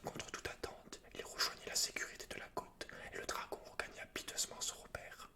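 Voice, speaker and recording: A man speaking in a soft, breathy whisper as an ASMR gaming host, informal and intimate. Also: fairly quick. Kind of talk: whispered ASMR, chatting and reading game lore aloud.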